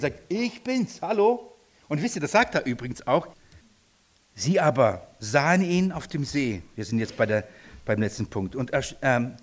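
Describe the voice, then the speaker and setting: Male preacher, slightly high voice, dynamic sermon delivery, rhetorical questions. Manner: dynamic, swings from loud emphasis to hushed near-whispers; addresses congregation directly with questions.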